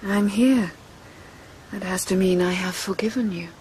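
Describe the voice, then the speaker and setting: An actress playing a steadfast, grieving noble widow in a radio drama, hushed and deliberate. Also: female voice, mid-range voice, a little hiss or hum, close to an everyday voice. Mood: mournful, devoted.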